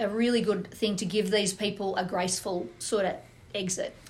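The voice is somewhat breathy, with an Australian accent. It keeps a moderate pace. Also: woman. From Australia, Sydney. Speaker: neurosurgery professor. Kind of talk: casual interview. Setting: conference venue.

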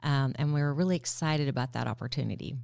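Fairly even intonation with an American accent, in a very clean recording with a silent background. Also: woman. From Denver, Colorado. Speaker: deputy school superintendent. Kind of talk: casual interview chat.

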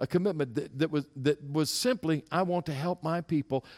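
A man with a Southern US accent talks at a moderate pace and a fairly high pitch with lively intonation, on a very clean recording with a silent background that sounds dry and close with no echo. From US South, Louisiana. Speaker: evangelist. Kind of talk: sermon. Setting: church.

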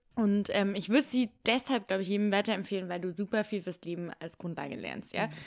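A woman speaks at a very fast pace with hardly any pauses, at a medium pitch with ordinary pitch variation. The recording is very clean, with a silent background. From Baden-Württemberg, near Stuttgart, later Bavaria. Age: 20s. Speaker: entrepreneur. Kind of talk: casual chat.

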